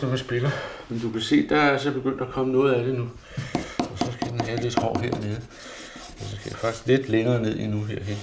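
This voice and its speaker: An artist demonstrates a pastel drawing while thinking out loud, his medium-pitched, gravelly voice rambling and frequently sinking to a near mutter as he murmurs to himself. Background noise is audible.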